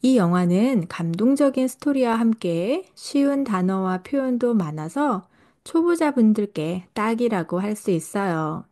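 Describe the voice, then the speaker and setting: A woman reading a scripted podcast lesson for language learners, speaking slowly and carefully. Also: medium pitch, lively intonation, mellow. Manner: slow, careful delivery for learners. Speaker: Korean language teacher and podcast host.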